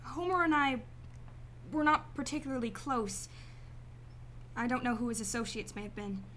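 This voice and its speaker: A woman playing a guarded, emotionally detached client in a radio drama, speaking formally and deliberately. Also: fairly high pitch, fairly bright tone, slight background noise, natural voice. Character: cool, detached female client, guarded murder victim's sister.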